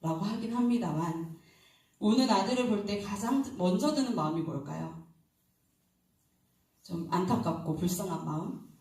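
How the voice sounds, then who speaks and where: In a church sanctuary, a woman preacher delivers an early-morning sermon, talking conversationally and putting questions to the congregation. Her mid-range voice is mellow and lively, at normal speed with frequent pauses, and the distant mic in the very echoey hall adds a little hiss or hum.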